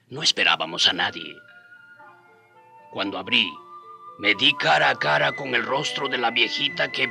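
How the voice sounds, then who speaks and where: A man's voice: lowish voice, vocal fry. An actor playing an indigenous man from the Antilles, narrating his memories earnestly in a radio drama. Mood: reflective. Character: indigenous Antillean man, loyal companion recalling past suffering. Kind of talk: dramatised first-person narration.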